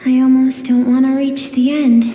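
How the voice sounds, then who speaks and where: An actress playing a wistful storyteller in a video game, narrating in a measured, sorrowful way. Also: female voice, sits high, mellow. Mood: wistful, nostalgic. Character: wistful female storyteller recounting a tragic past. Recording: long echoing reverb with music.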